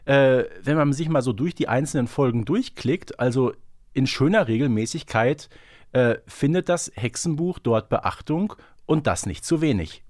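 A man's voice: mid-range voice, animated, normal speed, darkish tone, dry recording, clean studio sound. A man co-hosting a podcast, talking casually and expressively with colloquial interjections. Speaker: podcast co-host. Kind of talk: casual fan podcast chat.

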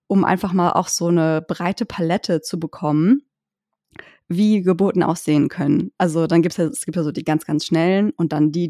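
A woman's voice: lowish voice, dark tone, no echo, clean studio sound. A woman co-hosting a podcast, speaking in a reflective, hesitant way with frequent restarts. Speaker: podcast co-host. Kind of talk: casual podcast chat.

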